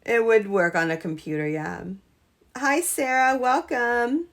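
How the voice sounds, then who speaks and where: A woman hosting a casual live crochet stream, chatting with viewers, her voice a little hoarse from a cold. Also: a little high, unhurried. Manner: chatty, greets viewers, trails off and restarts. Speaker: crochet livestream host.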